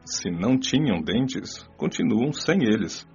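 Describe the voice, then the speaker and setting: A patient, wise male spirit mentor, acted by a man speaks in a low, calm voice. He explains and preaches gently. The recording is dull and lo-fi, with faint music behind him. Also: slow pace. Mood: explaining. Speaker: teacher figure. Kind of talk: radio drama acting.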